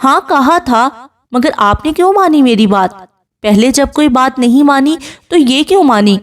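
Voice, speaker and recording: A woman's voice: high voice, expressive, pitched above the performer's own voice. A woman voicing a tearful, sulky young bride who pleads and pouts. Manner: pouting, teary pleading.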